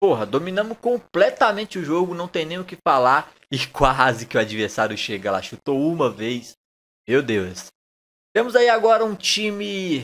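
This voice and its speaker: A man at a fairly slow pace, his pitch swinging very widely. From Brazil. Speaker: gaming youtuber. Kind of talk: live sports-game commentary while playing. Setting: gameplay recording with face cam. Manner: casual, informal, chatty.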